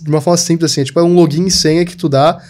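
A young digital marketer from Santa Catarina in southern Brazil chats casually as a podcast guest, filling his speech with "tipo" and "sabe." His voice is fairly high, steady in tone and darkish, and he races along.

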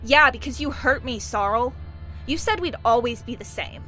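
Bright, high-voiced bitter siren. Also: female voice, animated, moderate pace, soft background music. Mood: hurt, accusing. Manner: taunting, accusatory. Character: bitter spurned siren ex, menacing and wounded. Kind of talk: audio drama acting.

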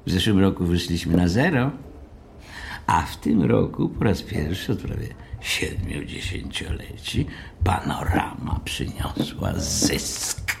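An actor playing a pedantic, haughty hotel manager who speaks in a formal, fussy, long-winded way in an audio drama. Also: male voice, deep voice, big pitch swings, slow, creaky, slight background noise, exaggerated voice. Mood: proud, formal.

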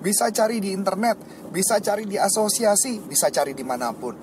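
A middle-aged man giving a motivational sales lesson, explaining points and acting out eager sales pitches with lively energy. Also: brisk, background noise. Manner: lively, acts out sales pitches with rising enthusiasm. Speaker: sales trainer.

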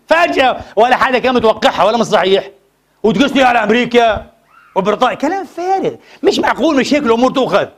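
A man preaching a Friday sermon in a mosque, impassioned and full of rhetorical questions to the congregation. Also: very high-pitched.

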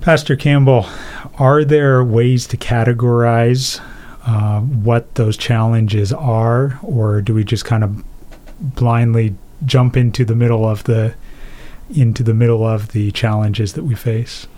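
A man hosts a live call-in program on Christian radio. His voice is mellow and dark, and his delivery is measured and announcer-like, with the odd uh as he puts questions to a guest. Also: mid-range voice, steady tone.

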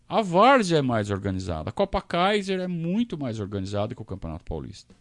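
A Brazilian man hosting a casual live stream, talking to his audience in an animated, ranting way. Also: mid-range voice, a little fast. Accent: Brazilian Portuguese. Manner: animated, talks to the audience, rants and self-questions. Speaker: podcast host reading superchats. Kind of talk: casual live-stream chat about football.

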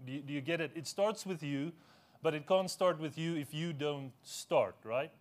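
A man with a slightly high voice, a native Afrikaans speaker, preaches to his congregation. He talks in a loose, conversational way, joking at his own expense and asking the people in the pews questions. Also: normal speed. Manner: conversational, self-deprecating humor, asks congregation questions. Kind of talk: sermon. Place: church.

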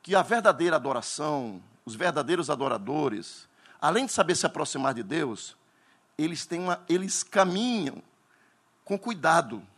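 A Northeastern Brazilian man preaching a Pentecostal sermon, telling stories dramatically and bursting into shouts. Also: fairly high pitch, very animated, normal speed.

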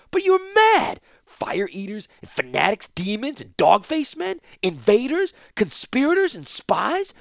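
Guy doing a high rushed young student, yells and stammers, voice jumping all over. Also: dry recording, clean studio sound. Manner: shouting, breathless rushing, stammering. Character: impulsive young male student, defiant.

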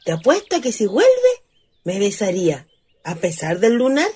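A woman's voice: mid-range voice, sing-song, moderate pace, warm tone, a little hiss or hum, natural voice. An actress playing a young rural Chilean ghost girl in a radio play, wistful and cheeky, with a dreamy girlish manner. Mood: hopeful, insistent. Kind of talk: radio theatre acting.

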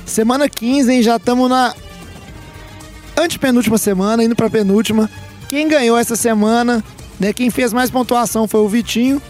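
A man's voice: extremely high pitch, normal speed, darkish tone, faint music behind. A man with a Brazilian accent hosting a sports podcast, upbeat and teasing with his co-hosts. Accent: Brazilian Portuguese. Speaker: podcast host. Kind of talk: casual sports podcast chat.

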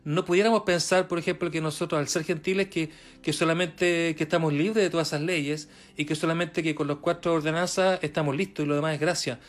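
A man preaching a sermon in a Chilean accent, halting with many fillers and repetitions, reading and retelling a testimony. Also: fairly high pitch, steady tone. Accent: Chilean Spanish. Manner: halting, many fillers and repeated words, rising for emphasis.

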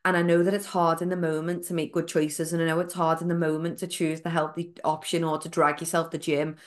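A woman's voice: low voice, little pitch movement, fast talker. A young woman hosting her fitness podcast, talking in a chatty, encouraging way with frequent ums and likes. Her voice sounds nasal and blocked up from a cold. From United Kingdom. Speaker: podcast host, fitness coach. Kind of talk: casual solo podcast talk.

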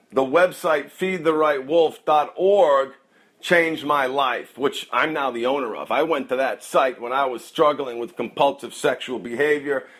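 A man's voice: mid-range voice, fairly bright tone. A man talking casually and earnestly to his listeners as a coach and host, with an encouraging manner. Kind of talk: casual direct address to listeners.

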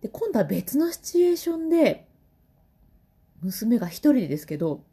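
A woman in her thirties with a Kansai accent talks through her solo podcast in a chatty, easy way. Her voice is mellow, and her pitch rises and falls in lively swings. She laughs often between phrases. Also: a little fast. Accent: Kansai Japanese. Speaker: podcast host and vocal trainer. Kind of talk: casual solo podcast talk.

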